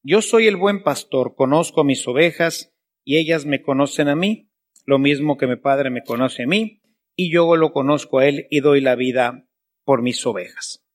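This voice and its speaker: A Catholic priest giving a sermon, preaching and asking rhetorical questions of the congregation. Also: male voice, medium pitch, moderate pace.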